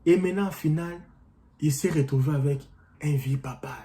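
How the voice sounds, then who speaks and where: Guy giving motivational talk to his followers, warm mellow voice, repeats himself a lot, calls everyone friend. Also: on the high side, brisk. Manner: animated, repetitive, addresses viewers as friends. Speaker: vlogger and coach. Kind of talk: casual motivational talk to camera. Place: living in the United States.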